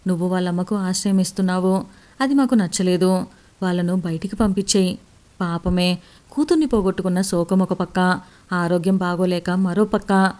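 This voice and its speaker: A woman's voice: on the low side, normal speed, a little mellow, natural voice. A woman narrator voicing a fed-up female coworker who complains bluntly. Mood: harsh.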